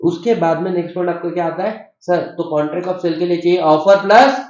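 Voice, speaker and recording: A high-voiced Indian man teaching law to a class, switching between Hindi and English as he quizzes his students. He drags out key definitions word by word. The sound is roomy and dull, caught from some way off the mic. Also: crowd noise. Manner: drills students with quick questions, slows right down for definitions. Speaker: law lecturer. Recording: echoey classroom, picked up from a distance, dull sound.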